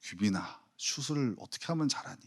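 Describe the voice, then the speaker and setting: A man preaching a Sunday sermon as pastor, animated, swinging from soft asides to loud emphasis. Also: mid-range voice, a little fast, slightly rough. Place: church sanctuary.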